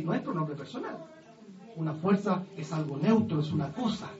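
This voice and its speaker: High-pitched preacher in an echoey hall. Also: male voice, a little mellow, a little hiss or hum. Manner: teaching, addresses listeners as brother, asks rhetorical questions. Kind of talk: sermon. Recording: echoey distant lo-fi room recording with faint ambience.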